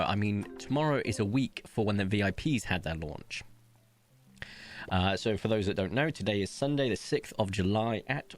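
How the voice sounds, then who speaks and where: A man hosting a casual let's-play, chatty and upbeat, rambling and laughing often at his PC desk mic. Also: lowish voice. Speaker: gaming channel host.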